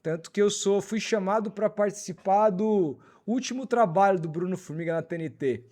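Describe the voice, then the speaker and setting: A man's voice: high-pitched, dark tone. A man hosting a live football talk stream, reading viewer comments and answering critics in a blunt, informal way. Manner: blunt, fast-talking, informal. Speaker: channel host reading superchats.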